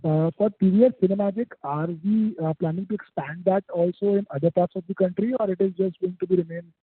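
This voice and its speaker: A man's voice: high voice, steady tone, quick pace, breathy edge, no room sound. A man with an Indian accent, an analyst calling in to an earnings call, asks questions somewhat hesitantly over a phone line. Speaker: analyst caller asking questions. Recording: dry, tinny narrowband phone line.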